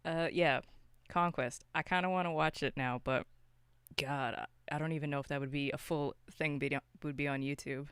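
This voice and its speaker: Smooth, close-up voice, casual and slangy. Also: mid-range voice, fairly even intonation, normal speed, a bit bright, no room sound. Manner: slangy, exclamatory. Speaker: podcast co-host. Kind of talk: casual chat about films.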